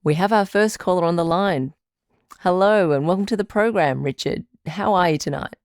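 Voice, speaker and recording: A woman's voice: lowish voice, normal speed, darkish tone, no room sound, clean studio sound, lightly acted. A woman playing a patient, reassuring doctor who hosts a radio advice show, articulate and composed, in a scripted audio drama. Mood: upbeat, welcoming.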